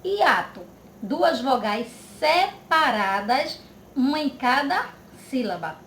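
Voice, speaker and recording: Slow, patient woman teacher. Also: high voice, sing-song, a bit bright. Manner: slow, drawn-out, checks in with "tá?". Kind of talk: children's grammar lesson. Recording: echoey room with faint background noise.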